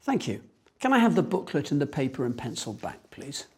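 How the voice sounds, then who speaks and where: A woman examiner putting formal interview questions in a measured, procedural way. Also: low-pitched, sing-song, breathy edge. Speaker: speaking test examiner.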